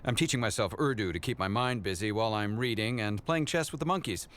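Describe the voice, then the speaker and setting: A man's voice: on the low side, quick pace, fairly bright tone, clean tone, natural voice. A man voicing an arrogant, aloof genius scientist in a motion comic, smug, precise and condescending. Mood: brisk, smug.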